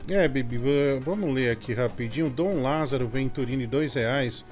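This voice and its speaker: A man's voice: mid-range voice, normal speed. Chatty male show host, faint music behind. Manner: calming, teasing, chatty. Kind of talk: casual studio call-in talk.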